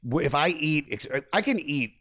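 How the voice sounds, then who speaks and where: A man's voice: on the high side, expressive, normal speed, a bit bright, no echo, studio quality. A man in his forties chatting casually and jokingly as he hosts an interview podcast. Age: 40s. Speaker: podcast host; stand-up comedian.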